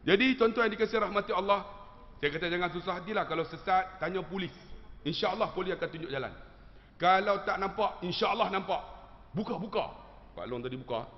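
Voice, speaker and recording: A man preacher with a Malaysian Malay accent telling an animated, humorous story to his congregation. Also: sits high, a little fast. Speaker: religious teacher. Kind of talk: storytelling sermon. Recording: dull lo-fi sound with long hall reverb.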